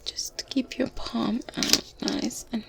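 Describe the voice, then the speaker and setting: Woman playing a very slow, whispering good witch. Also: a little high, fairly even intonation, rough recording. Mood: soothing, assured. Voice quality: breathy whisper. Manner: slow, gentle, with murmured hums and soft chuckles. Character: good witch, strict yet kindly, mildly teasing mentor. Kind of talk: ASMR roleplay, softly spoken and whispered. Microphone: close binaural microphone. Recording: close binaural mic with ambient background noise. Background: medieval ambience sounds.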